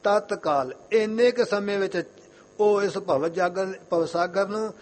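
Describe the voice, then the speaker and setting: A young man giving an earnest Sikh sermon, repeating his phrases and reciting scripture lines slowly in a chanting way. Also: sits high, darkish tone. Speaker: Sikh preacher.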